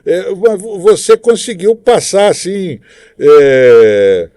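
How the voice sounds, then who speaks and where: A man's voice: high-pitched, animated, takes it slowly, dark tone, no echo. A man with a Brazilian accent hosting a live podcast, interviewing and making announcements.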